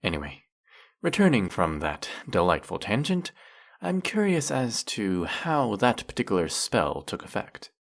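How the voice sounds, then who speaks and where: A man acts out a male faerie trickster with a low voice that swoops widely as he teases and scolds. He is dry, sarcastic and flirtatious, with a creaky edge, as in an intimate fantasy roleplay audio. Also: huge pitch swings, measured pace, full character voice. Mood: teasing, curious. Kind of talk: scripted roleplay audio monologue addressed to the listener.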